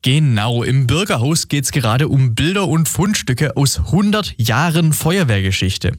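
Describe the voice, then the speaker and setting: A man radio reporter presenting a local event in a lively, inviting way. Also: medium pitch, a little slow, no echo, studio quality. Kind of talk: studio report chat. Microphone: studio microphone.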